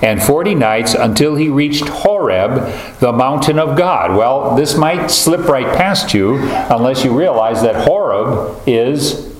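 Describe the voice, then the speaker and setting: A man leading a group Bible study, talking in a halting, thoughtful way with many fillers and restarts. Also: mid-range voice, lively intonation, a little hiss or hum. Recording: roomy echo, faint ambience.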